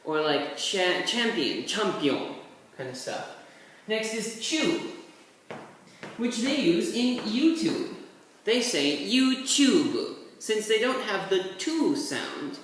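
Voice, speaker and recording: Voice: mid-range voice, very animated, slow, a bit bright, far from the mic. A person giving a laid-back, rambling tutorial while writing characters, with offhand asides. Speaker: language tutor. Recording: very echoey room, voice set back from the mic, faint hiss.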